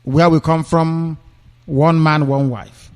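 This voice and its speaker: A man's voice: a little high, steady tone, takes it slowly, clean tone, big-room sound. A man with a Nigerian accent on a radio broadcast. He reads news items aloud and breaks off into scornful, mocking commentary full of rhetorical questions.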